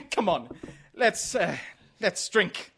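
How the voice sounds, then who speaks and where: A man playing a debonair, sly gentleman exile in a radio mystery, speaking suavely and theatrically. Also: high-pitched, very animated, slow, gravelly, slightly rough, exaggerated voice. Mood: nonchalant, evasive. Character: debonair, sly English gentleman exile, Foreign Legion deserter. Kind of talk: radio mystery drama acting.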